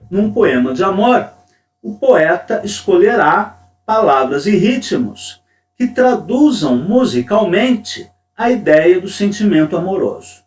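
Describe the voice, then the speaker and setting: A male teacher with a fairly high, lively voice explains poetic rhythm at an unhurried, deliberate pace. He picked up by a distant mic in an echoey room. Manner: slow, deliberate, stresses syllables when reading verse. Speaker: creative writing teacher. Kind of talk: lecture on poetry.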